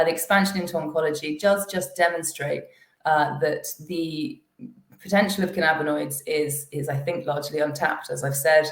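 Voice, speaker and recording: A woman executive presenting company results to investors and answering questions, hesitant with many fillers, a little hoarse from losing her voice. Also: deep voice, roomy sound, rough recording.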